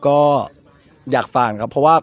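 Earnest young man, dull outdoor audio. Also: normal speed. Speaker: actor guest. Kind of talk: event red-carpet interview. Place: outdoor rooftop event at night. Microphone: handheld mic.

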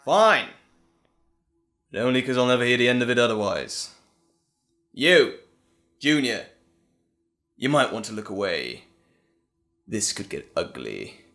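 Casting: sinister evil-twin villain for audio roleplay, slow, savoring pace, highly animated pitch, mocking and gloating. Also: male voice, faint music behind. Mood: grudging, menacing. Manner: mocking, drawn-out, theatrical delivery with chuckles. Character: gloating, sinister male evil alter ego, theatrical villain.

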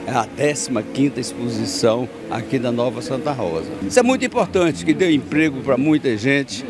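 A man's voice: medium pitch, animated, moderate pace. A man in his seventies with a Brazilian accent giving an informal TV interview answer. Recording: busy outdoor crowd behind.

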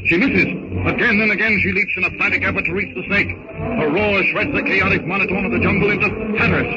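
Through the heavy noise and muffled sound of an early thirties radio recording comes a man narrating an adventure serial. His voice is high-pitched, and his delivery is theatrical and full of suspense. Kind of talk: 1930s radio dramatic narration. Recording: noisy, muffled early 1930s radio broadcast. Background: heavy old-recording noise.

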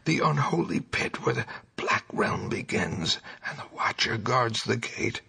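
A frenzied madman raves in mortal terror. The voice is hoarse and breathy and climbs far up in pitch, spilling out hysterical, broken outbursts in gothic horror style. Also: sing-song, a little slow, sharp tone, full character voice. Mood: horrified frenzy. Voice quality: hoarse, breathy rasp breaking into shrieks. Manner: hysterical, gasping, half-incoherent outbursts. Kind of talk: dramatic horror audiobook reading.

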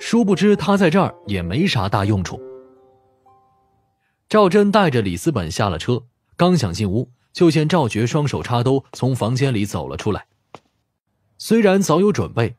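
A man's voice: medium pitch, slightly rough, dry recording. A man reading a mystery novel as a scripted audiobook narration.

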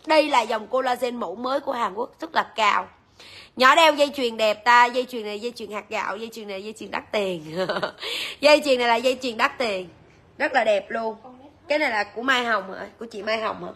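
Bright high-voiced woman. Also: a little fast. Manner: chatty, addresses viewers directly. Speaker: livestream jewelry seller. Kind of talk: live-selling chat.

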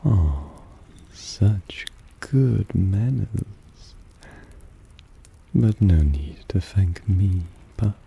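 A man playing a possessive, softly dominant vampire in an intimate ASMR roleplay, breathy and often half-whispered, teasing and coaxing. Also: low voice, lively intonation, very slow, pauses often, highs cut off, slight background noise, full character voice. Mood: tender, possessive. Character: possessive, softly dominant male vampire doting on his pet.

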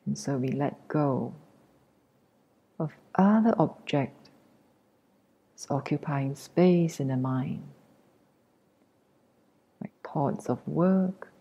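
Slow soft woman doing guided meditation, dark mellow breathy voice, gentle with long gaps, kinda muffled audio. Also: sits low. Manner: gentle, unhurried, long pauses between short phrases. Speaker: meditation teacher.

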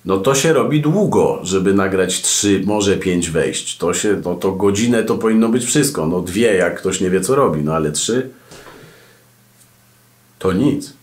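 A man hosting a podcast, giving casual radio advice with animated, ironic storytelling and asides. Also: low voice, a little slow, reverberant. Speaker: podcast host and radio presenter. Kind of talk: casual advice talk to camera.

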